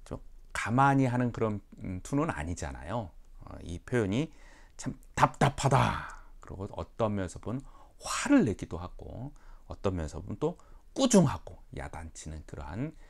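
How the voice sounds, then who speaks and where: A male pastor preaching a sermon for an online church, animated and acting out quotes. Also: lowish voice, moderate pace. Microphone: online sermon recording.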